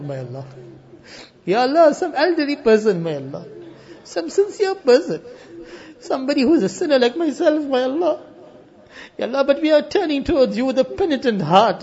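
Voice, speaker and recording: A Muslim preacher, a man, leading an emotional, pleading congregational prayer with repeated refrains, moving between hushed appeals and loud cries. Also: very high voice. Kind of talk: impassioned supplication with repeated refrains. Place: live religious gathering. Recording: muffled, dull lo-fi live recording.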